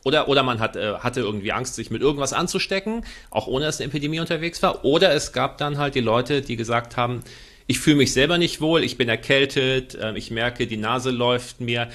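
A man's voice: mid-range voice, a little fast, a bit bright. A man talking as a podcast guest, explaining at length with frequent fillers and restarts. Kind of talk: casual podcast conversation.

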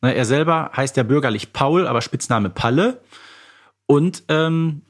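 A man's voice: medium pitch, animated, unhurried. A man chatting casually as a contestant in a podcast quiz. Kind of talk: casual chat.

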